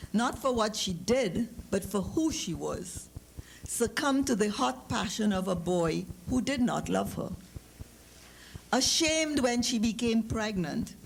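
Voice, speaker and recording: A middle-aged woman with a Trinidadian accent reads a literary story to an audience, with informal asides and measured, deliberate phrasing. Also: medium pitch, gravelly, low-quality recording. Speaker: author giving a public reading. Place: live lecture event. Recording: noticeable background noise, clicks.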